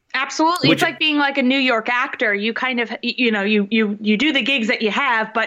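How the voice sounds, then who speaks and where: A woman with a slight Philadelphia accent, high-pitched and bright and sharp in tone, at a very fast clip with hardly any pauses, ordinary pitch variation and very even loudness. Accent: Philadelphia, slight twang. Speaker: podcast host and singer. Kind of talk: casual chat. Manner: animated, laughs often.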